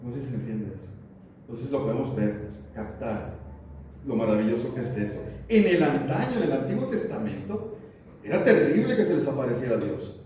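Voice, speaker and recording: A man's voice: mid-range voice, animated, moderate pace, warm tone, slight background noise. A middle-aged man preaching a sermon, folksy and anecdotal, often asking the congregation rhetorical questions. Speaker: pastor. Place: church sanctuary. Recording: echoey church room, mic at a distance, faint ambience.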